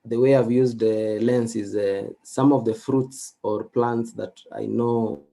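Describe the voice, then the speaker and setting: A man whose first language is Swahili, giving a recorded lecture with slides in an unhurried way, with many fillers and restarts. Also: medium pitch, fairly even intonation, vocal fry, warm tone.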